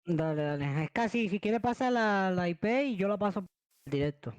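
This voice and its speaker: Young man, Latin American accent, swooping lively pitch, dry sound, excitable slangy gaming chat. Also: normal speed, smooth, no room sound, lo-fi sound. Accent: Latin American Spanish. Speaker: gaming video creator. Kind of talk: casual gaming chat and roleplay.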